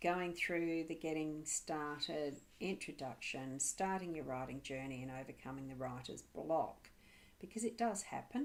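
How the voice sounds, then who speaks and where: A woman with a very deep, low voice speaks fairly slowly in an Australian accent, with ordinary pitch variation. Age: 60s. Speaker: writing community founder and author. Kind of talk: online presentation about a writing course. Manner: hesitant, with fillers and repetitions.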